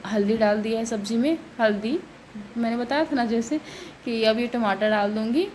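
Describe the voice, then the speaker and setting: A vlogger in her 30s cooks in her home kitchen, chatting in a rambling way as she explains each step, with faint household noise behind her. Her voice sits a little high with a darkish tone, she speaks at a moderate pace, and the recording is low quality.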